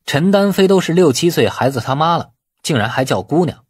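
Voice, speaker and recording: A man reading a novel aloud as expressive scripted narration. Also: fairly high pitch, a little fast, husky, no echo, studio quality. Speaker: audiobook narrator.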